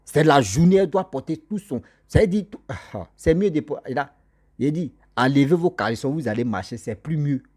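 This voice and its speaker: A man's voice: a little high, lively intonation, moderate pace, darkish tone. A man lecturing his viewers in a monologue, scolding them and repeating his points as he addresses them directly. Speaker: social commentator. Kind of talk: moralizing monologue to camera.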